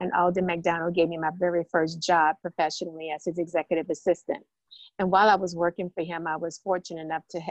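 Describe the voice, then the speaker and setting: A woman with a New Orleans accent, very fast and monotone with flat intonation, in a dry, close sound with no echo. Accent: New Orleans Southern American. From New Orleans, US South. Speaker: bank president and CEO. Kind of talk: interview.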